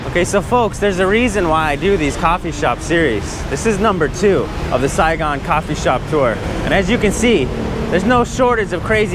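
The speech moves at a fairly quick pace in a dry sound with no echo, with music in the background. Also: man. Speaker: travel vlogger. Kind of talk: casual vlog chat. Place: cafe. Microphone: phone near.

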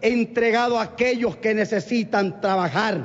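A man with an extremely high pitch. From Ecuador, Bolívar province. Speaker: legislator. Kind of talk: parliamentary speech. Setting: legislative chamber. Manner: formal. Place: hall. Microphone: podium.

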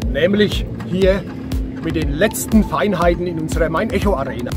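Clear music plays in the background, and the sound is dry with no echo. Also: man. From Lower Main region, Germany. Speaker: stadium announcer. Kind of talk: promotional club message to fans. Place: stadium.

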